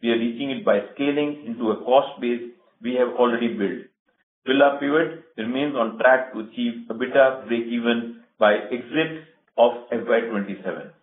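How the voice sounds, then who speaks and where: Male executive, formal and measured scripted delivery, medium pitch, heard over a roomy, narrowband phone link. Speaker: company executive. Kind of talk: prepared earnings call remarks. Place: conference call. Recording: echoey, narrowband phone conference line.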